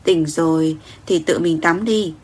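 A woman's voice: sits low, a little slow, darkish tone, slightly rough. A woman reading the lines of a stubborn, wary young wife who speaks curtly. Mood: cool.

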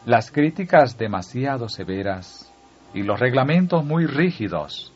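Slow, husky man reading devotionally. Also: medium pitch. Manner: slow, measured, falling at phrase ends. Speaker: audiobook reader. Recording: dull lo-fi audio with faint music.

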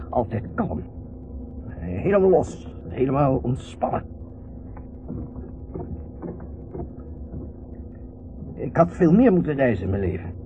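Stubborn husband in old radio drama, grumbly lecturing, insists he's calm, narrow muffled sound with car noise. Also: medium pitch, creaky. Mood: defiant, controlled. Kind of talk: Dutch radio play acting.

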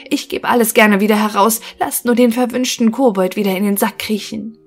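A woman's voice: on the high side, fairly even intonation, fairly quick. Woman voicing a sly greedy innkeeper. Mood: pleading. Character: greedy, cowardly male innkeeper.

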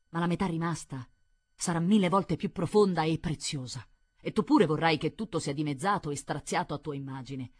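A woman reading the part of a cold, scheming nobleman in a commanding, bitter manner, with a husky voice. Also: on the low side, dry recording. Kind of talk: audiobook reading.

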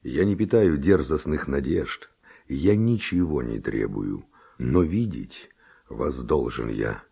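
An actor playing an ardent, reckless nobleman seducer in a classic radio play, declaiming verse theatrically with a gravelly, husky voice. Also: very deep voice, expressive, takes it slowly, mellow, exaggerated voice. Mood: tender, humble.

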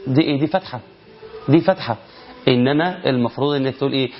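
A man with an Egyptian accent teaching Quran recitation, asking rhetorical questions and chanting drawn-out verses to show the rules. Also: mid-range voice. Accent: Egyptian Arabic. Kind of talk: recitation lesson. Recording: lo-fi muffled recording.

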